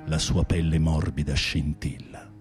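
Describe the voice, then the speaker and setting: An actor playing a flamboyant, flirtatious gay professor in prison, theatrical, teasing and arch, in a radio drama. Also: male voice, extremely low pitch, little pitch movement, measured pace, over music. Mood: languid, sensual.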